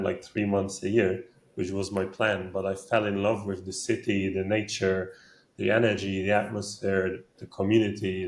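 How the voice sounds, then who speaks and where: A man, a summit co-founder, talks in a relaxed, casual way in an interview. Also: sits low, roomy sound.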